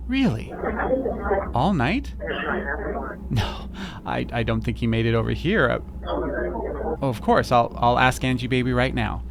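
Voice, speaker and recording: A man's voice: mid-range voice, gravelly, background noise. A man playing a nervous, haggard, submissive father in a radio play, hesitant and apologetic. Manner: hesitant, apologetic, stammering politely.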